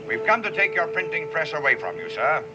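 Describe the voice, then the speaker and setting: An actor playing a curt, formal British army sergeant who reads out official orders. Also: male voice, fairly high pitch, big pitch swings, fairly quick, lo-fi sound, over loud music. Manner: stiff, formal, reads decrees.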